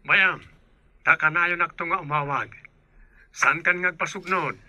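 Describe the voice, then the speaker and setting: A man's voice: on the high side, measured pace, sharp tone. A man voicing an easygoing young man who works far from home, in a radio drama.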